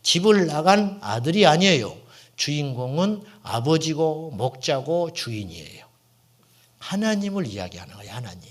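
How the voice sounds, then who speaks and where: A middle-aged male pastor preaching a sermon to his congregation, asking questions and answering them himself, and sometimes dropping to a hushed whisper for emphasis. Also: fairly high pitch, sing-song, normal speed. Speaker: senior pastor.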